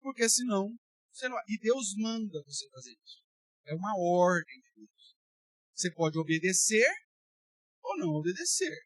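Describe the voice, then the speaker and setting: A man's voice: high voice, very animated, normal speed, slightly rough, no room sound. Blunt Brazilian man preaching, dry sound. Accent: Brazilian Portuguese. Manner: emphatic, blunt, slangy and direct with listeners. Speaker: pastor teaching a Bible study. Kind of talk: colloquial sermon.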